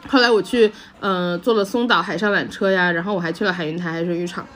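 A woman's voice: lowish voice, fairly even intonation, fast, fairly bright tone. A woman from China telling travel stories in casual podcast chat, laughing often. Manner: chatty storyteller, laughs often. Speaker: podcast co-host.

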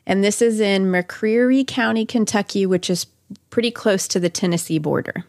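A woman's voice: mid-range voice, normal speed, darkish tone, dry recording, studio quality. A woman hosting a podcast, telling a true-crime story conversationally with chatty asides. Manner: chatty asides amid narration. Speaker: podcast host.

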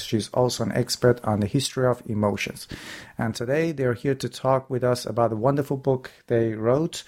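A man speaks as the host of an interview podcast. His voice sits at a middle pitch as he addresses listeners and guests. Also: a little mellow. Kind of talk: interview hosting.

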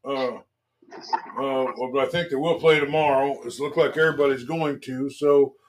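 A man's voice: medium pitch, moderate pace, a little hiss or hum, low-quality recording. A man hosting a local sports talk show, chatting casually about games with many fillers and restarts. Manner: relaxed, lots of fillers and restarts. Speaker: sports radio host.

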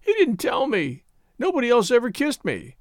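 A man acts out a naive young woman from a storybook, pitched high and swooping with feeling. The voice is small and hesitant, quavering as it pleads stubbornly in distress. The recording is very dry and close. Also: huge pitch swings, normal speed, a little mellow, no room sound, exaggerated voice. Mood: tearful pleading. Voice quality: faint, small voice. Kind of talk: dramatised audiobook story reading.

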